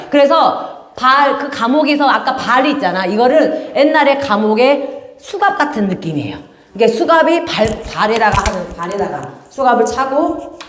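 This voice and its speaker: A woman's voice: a little high, roomy sound. A woman teaching children in a church service, telling a story with lots of questions to the kids. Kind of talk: children's sermon. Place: church room.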